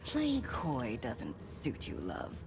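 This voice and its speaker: A woman's voice: very deep voice, wildly swooping pitch, takes it slowly, background noise, exaggerated voice. An actress playing a sly woman gang leader who taunts with a drawl. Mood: taunting.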